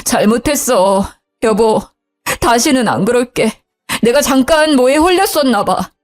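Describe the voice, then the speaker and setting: A woman doing a guilty young husband, pleading and apologetic, lively pitch. Soft music beneath this storybook figure. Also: a little slow.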